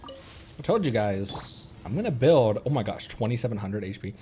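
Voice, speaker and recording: A man doing casual livestream game commentary in a playful, excitable manner. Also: lowish voice, moderate pace, a little hiss or hum. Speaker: streamer.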